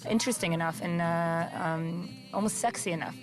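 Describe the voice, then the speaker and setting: A woman answers an interview quickly and eagerly, with fillers in between. Music plays clearly beneath her words. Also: fairly low pitch, steady tone. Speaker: interviewee, station founder.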